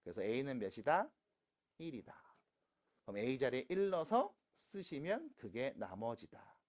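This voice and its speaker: A man teaching math to high school students in a classroom, casual and teasing, switching between polite and plain speech. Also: very animated, a little slow. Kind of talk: classroom lecture.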